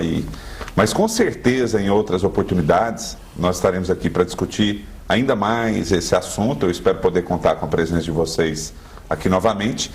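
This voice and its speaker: A man with a Brazilian accent hosting a local television debate, courteous and measured as he wraps up. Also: deep voice, a little hiss or hum. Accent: Brazilian Portuguese. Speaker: debate show host.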